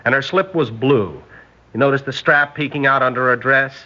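A glib young engineer. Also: male voice, medium pitch, moderate pace, bright, forceful tone. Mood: cocky. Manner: wisecracking, smooth-talking. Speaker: lead character and narrator. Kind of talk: 1960s radio drama acting. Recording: dull lo-fi old radio recording.

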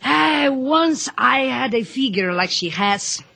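An actress playing a big, jolly, flirtatious Cuban dance-hall madam in a radio drama, effusive, with a Cuban Spanish accent. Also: female voice, sits high, lively intonation, takes it slowly, creaky, bright, forceful tone, exaggerated voice. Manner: effusive, theatrical, teasing. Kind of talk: 1950s radio drama acting.

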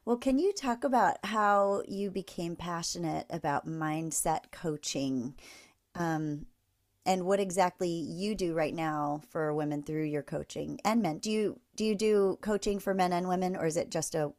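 A woman's voice: on the low side, measured pace, darkish tone. A woman hosting a podcast, interviewing casually in an encouraging, affirming way. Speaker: podcast host.

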